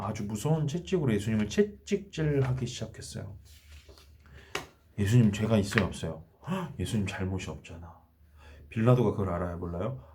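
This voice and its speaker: A man's voice: on the low side, warm tone. A man preaching a children's sermon, telling the story and asking the children questions as he goes. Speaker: children's pastor.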